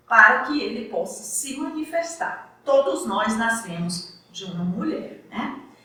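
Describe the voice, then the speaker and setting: Speaking at a very slow pace, a woman has a high pitch with very wide pitch swings. Her voice carries audible room echo. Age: 60s. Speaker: spiritist lecturer, retired educator. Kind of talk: lecture.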